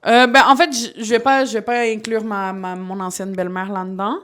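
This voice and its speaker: Woman guest, mid-pitched voice, candid storyteller, quick to laugh. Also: level tone, a bit bright, smooth. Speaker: podcast guest. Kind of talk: casual live podcast chat. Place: studio. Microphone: podcast microphone.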